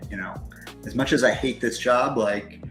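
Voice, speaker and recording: A man in his early forties, a guest in a casual interview, talking fast and filling his speech with "like" and "you know". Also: medium pitch, reverberant, music in the background. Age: 40s.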